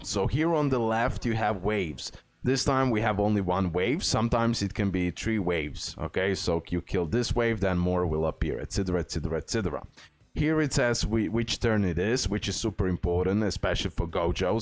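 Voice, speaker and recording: Here a man narrates video game guidance in a fairly low voice, casual and explanatory in manner. Repetition of words and phrases is common, and his English phrasing is non-native.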